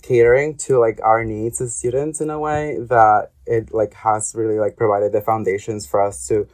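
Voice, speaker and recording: A man's voice: lowish voice, flat delivery, normal speed, a little mellow. A young adult man from Ecuador, an interview guest talking casually with hesitant, rambling speech and many fillers. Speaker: guest, artist and graduate student.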